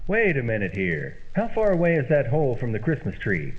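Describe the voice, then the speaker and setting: A man's voice: mid-range voice, wildly swooping pitch, a little fast. A man playing a genial, wry buddy in an old-time radio comedy, speaking heartily. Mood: puzzled. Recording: dull, noisy old-radio style recording.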